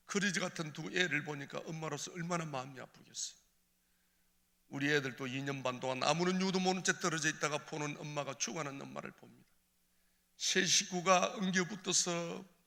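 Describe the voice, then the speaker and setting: Church elder, gravelly and piercing, giving a tearful, impassioned testimony that swings from hushed to crying out, in a reverberant sanctuary. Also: male voice, fairly high pitch.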